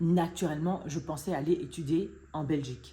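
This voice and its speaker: Her tone is dark and mellow, somewhat breathy, and she speaks at a moderate pace. This woman's pitch varies in an ordinary way. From Mauritania, raised in Central African Belgian schools. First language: non-French (Mauritanian/Senegalese language) (speaking French). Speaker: YouTuber and podcaster. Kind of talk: casual storytelling vlog. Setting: sitting on the floor of her living room. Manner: hesitant, many fillers and repetitions. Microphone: microphone problems, sound quality worries.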